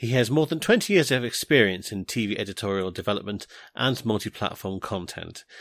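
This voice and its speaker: On a very clean recording with a silent background, a man with an ordinary speaking voice talks at a fairly quick pace, medium in pitch and with ordinary pitch variation. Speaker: podcast host and TV producer. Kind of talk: casual chat.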